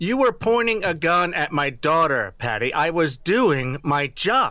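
A man speaks in a put-on character voice, fairly high in pitch, with a bright, sharp tone. His pitch swings widely, and his pace is fairly slow.

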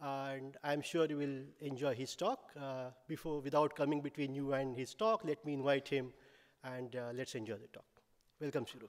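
A man at a fairly high pitch and moderate pace, with big swings in loudness. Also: ordinary pitch variation. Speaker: physics professor. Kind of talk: formal introduction. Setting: stage with audience. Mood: warm, smiling. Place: hall. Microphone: podium.

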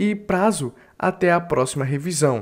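Here a man speaks with lively intonation. The recording is very clean, and the background is silent. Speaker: car news youtuber. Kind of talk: news reading with casual commentary. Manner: casual, many fillers.

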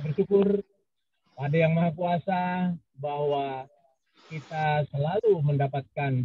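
A man's somewhat breathy voice with a dark, mellow tone, very slow pace and dry sound with no echo. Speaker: event opener. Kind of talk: formal opening speech. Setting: video call. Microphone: video call.

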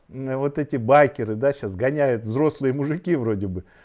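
Over a quiet background, a man speaks at a moderate pace with a fairly high pitch and a dark, mellow tone. His intonation is lively. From Siberia (Novosibirsk). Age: 60s. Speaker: numerologist; interviewee, numerology teacher. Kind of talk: interview; interview answer. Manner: conversational, hesitant with fillers. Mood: warm, nostalgic. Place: home room.

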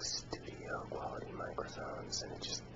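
A man at a very slow pace, with loud background noise. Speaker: ASMR creator. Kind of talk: ASMR video with casual talk to camera. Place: home room. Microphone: studio mic.

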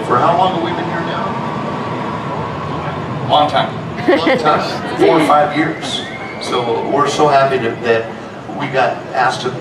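A man speaks at a fairly slow pace with ordinary pitch variation and long, frequent pauses. Loud background noise fills the clip. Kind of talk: stage banter. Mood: jokey, friendly. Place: stage.

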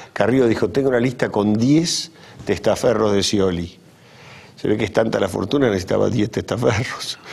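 A man with a Rioplatense accent talks at a moderate pace. His loudness is very even and his pitch varies in an ordinary way. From Tandil, Argentina. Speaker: lawyer. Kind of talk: interview. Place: studio. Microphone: lapel.

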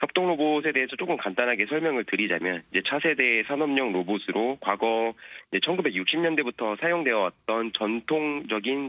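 Speaking at a moderate speed, a man lets his pitch range swing very widely up and down. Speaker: securities analyst. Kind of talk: phone interview on stock analysis. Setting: phone call. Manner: halting, many fillers.

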